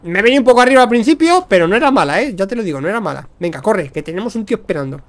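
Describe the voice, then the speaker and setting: Excitable gaming streamer, man. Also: high-pitched, racing. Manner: excitable, shouts during firefights, jokey. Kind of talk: gameplay commentary. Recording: faint gunfire noise behind.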